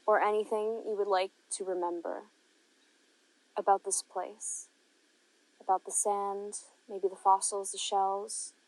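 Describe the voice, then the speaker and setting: Woman, medium pitch, guided meditation narration, gentle instruction, unhurried, long pauses. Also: no echo, low-quality recording.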